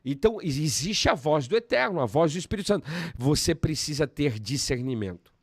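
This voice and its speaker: A Brazilian man, a pastor, teaching in conversation, switching between emphatic bursts and calm explanation. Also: fairly high pitch, brisk, no room sound. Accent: Brazilian Portuguese.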